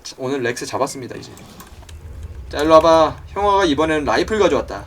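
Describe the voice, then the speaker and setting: A young man doing let's play commentary, excitable, talking to game creatures and yelping when startled. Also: on the high side, fast. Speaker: gaming YouTuber.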